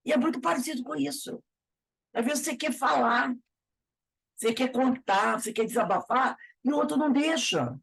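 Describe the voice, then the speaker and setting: A woman with a Brazilian Portuguese accent leading a spiritist study class, reading from a book and explaining it in a lively way, often acting out what people say. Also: high voice, moderate pace, gravelly, slightly rough, rough recording. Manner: lively, acts out quoted remarks. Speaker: study group teacher.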